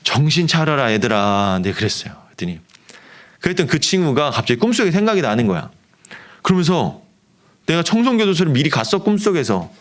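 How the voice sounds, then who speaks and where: Middle-aged guy preaching to teens, animated storyteller, voice jumps all over. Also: on the high side, fairly quick. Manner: animated, acts out quoted voices of friends. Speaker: pastor. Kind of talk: youth sermon with storytelling.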